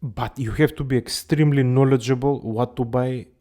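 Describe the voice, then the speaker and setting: A man's voice: mid-range voice, steady tone, moderate pace, dark tone. A man hosting a comedic finance show, playful and exaggerated, repeating "my friends" again and again. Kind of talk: comedic character monologue.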